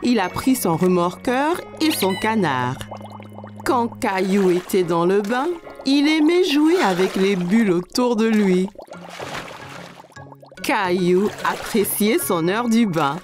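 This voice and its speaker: A woman reading scripted narration for a children's story, telling it clearly for young listeners. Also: medium pitch, expressive, takes it slowly, music in the background.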